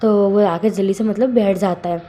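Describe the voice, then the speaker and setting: Woman telling a fanfic story, keeps correcting herself, mellow warm voice. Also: mid-range voice, steady tone, normal speed, faint music behind. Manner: rambling, heavy use of fillers and self-corrections. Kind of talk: casual fan fiction narration.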